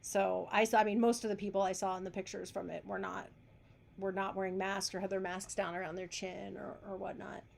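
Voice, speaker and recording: A woman hosting a casual live video hangout, talking in a chatty, wry way with lively storytelling. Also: mid-range voice, fairly quick, gravelly. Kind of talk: casual livestream chat.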